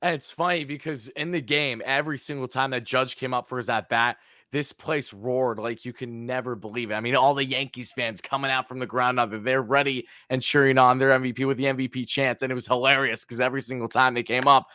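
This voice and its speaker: A man hosting a sports podcast, talking in a casual, excited way, his voice hoarse from cheering. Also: medium pitch, fairly quick, dry recording, studio quality. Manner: excited, fan-like, hyped. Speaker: podcast host.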